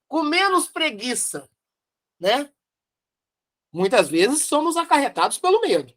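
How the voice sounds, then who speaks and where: A Spiritist study presenter with a Brazilian Portuguese accent delivers a devotional commentary, her voice a little high and fairly bright. She speaks emphatically, repeating key phrases and posing rhetorical questions.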